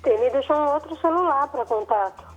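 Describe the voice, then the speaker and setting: A woman's voice: high-pitched, animated, fairly quick, faint music behind. A woman heard over the phone, giving short, guarded replies to a caller. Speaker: former staff answering a call. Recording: tinny phone line.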